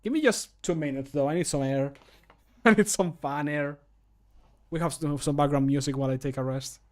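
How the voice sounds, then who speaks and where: A man's voice: fairly high pitch, normal speed. A man in his thirties chatting casually on a livestream from a small room at home, joking, commenting on what he does and swearing lightly. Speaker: streamer recording mod voice lines.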